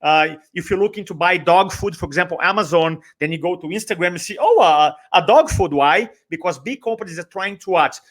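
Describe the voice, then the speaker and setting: Brazilian-accented male speaker trainer, middle-aged, fairly high voice, persuasive conversational delivery with emphatic repeats. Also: lively intonation, a little fast, hardly any pauses, a bit bright. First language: Portuguese. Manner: emphatic, repeats phrases, rhetorical questions. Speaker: guest, speaker trainer and business owner. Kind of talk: conversational motivational talk.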